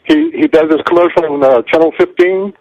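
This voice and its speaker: A man's voice: a little high, a little fast, darkish tone, no echo. A man calling in to a radio show, making his point in an earnest, argumentative way. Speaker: caller. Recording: phone line.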